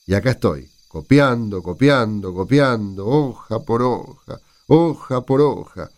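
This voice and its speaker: A man's voice: mid-range voice, animated, measured pace, a little mellow. An actor playing a sleepless, impatient Argentine man cramming for an exam in a radio drama, with a blunt colloquial manner. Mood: rueful, weary.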